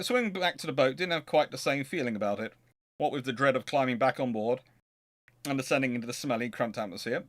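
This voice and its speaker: A man hosting a naval history show, speaking informally as he answers questions and reads aloud, often correcting himself. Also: mid-range voice. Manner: hesitant, thinking aloud, self-correcting.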